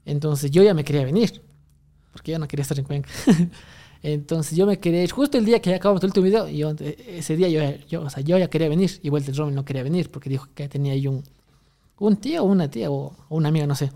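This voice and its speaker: A man's voice: fairly high pitch, fast, dark tone. A young man, rambling through a story in casual chat, full of restarts and fillers. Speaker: guest telling a story.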